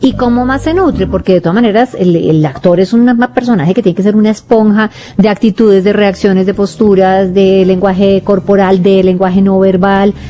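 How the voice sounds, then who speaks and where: A Colombian woman interviews a guest on radio. Her voice is mid-pitched and mellow, and she asks probing, formal questions. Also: steady tone, normal speed, hardly any pauses.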